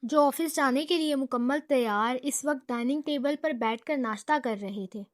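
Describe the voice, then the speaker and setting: A woman narrating a romantic comedy novel with even storytelling. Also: high-pitched, no room sound, studio quality.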